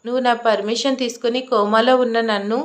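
A woman's voice: fairly high pitch, steady tone, fairly quick. Woman narrating an audio love story.

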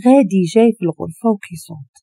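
A woman with a Moroccan Arabic accent narrating a dramatic story with a brisk, expressive reading. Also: medium pitch, vocal fry, slightly rough, no room sound.

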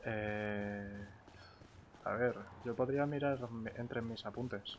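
Spanish man, halting, casual gamer chat. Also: medium pitch, slight background noise. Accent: Spain. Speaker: gamer role-playing online. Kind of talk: casual in-game roleplay chat.

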